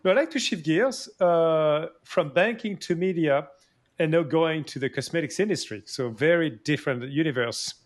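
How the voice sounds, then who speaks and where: Slightly high-voiced male podcast host. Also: normal speed. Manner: rambling questions with many "yeah" and "yes" backchannels. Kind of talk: interviewer asking questions.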